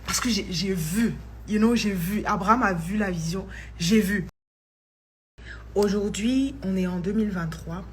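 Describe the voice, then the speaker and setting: A woman's voice: mid-range voice, a little slow, a little hiss or hum. A woman who tells a personal faith testimony in a chatty vlog, dropping in English phrases. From Ivory Coast. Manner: chatty, mixes in English phrases, grows excited. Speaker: vlogger.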